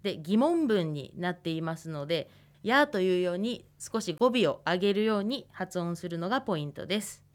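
A woman in her twenties from Hokkaido, teaching a radio language lesson, with patient, careful explanations and slow model pronunciations. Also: on the low side, expressive. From Hokkaido, Japan. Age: 20s. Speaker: language lecturer.

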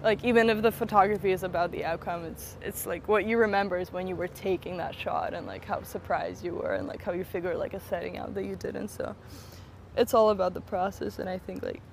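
A woman's voice: fairly low pitch, brisk. Chatty young woman from Spain, outdoors. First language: Russian. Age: young adult. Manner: chatty, many "like" fillers and restarts. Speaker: guest photographer and director. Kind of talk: casual walking interview. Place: outdoors on a college campus near traffic. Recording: outdoor street noise behind the voice.

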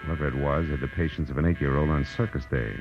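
An actor playing a wry, world-weary private detective, narrating and talking in a terse, deadpan 1940s radio noir style. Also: male voice, extremely low pitch, fast, music in the background. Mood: wry, tense narration. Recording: noisy, muffled vintage radio recording.

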